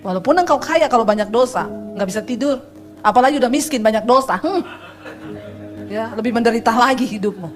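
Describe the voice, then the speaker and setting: A middle-aged woman pastor giving a lively sermon, telling stories with humor. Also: fairly high pitch, brisk, soft background music. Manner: lively preaching with storytelling and humor.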